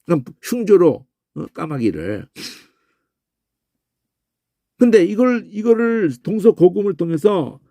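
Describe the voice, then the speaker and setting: A man teaching a Bible word-study lecture, animated, often breaking into a questioning "eh?" and imitating crow calls and shouts. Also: high-pitched, normal speed, no room sound.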